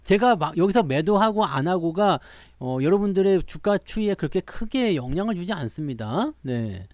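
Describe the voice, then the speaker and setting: Man, stock show host, casual market talk, boastful, rhetorical questions, slightly high voice, dry close sound. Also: sing-song, moderate pace, no echo.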